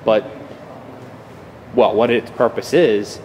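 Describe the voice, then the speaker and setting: Easygoing lower-voiced man touring a shop. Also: takes it slowly, a little mellow, long reverb tail, slight background noise, low-quality recording. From United States. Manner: easygoing, repeats words while thinking. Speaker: channel host. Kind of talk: casual vlog narration. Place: machine shop at an outdoor engine show.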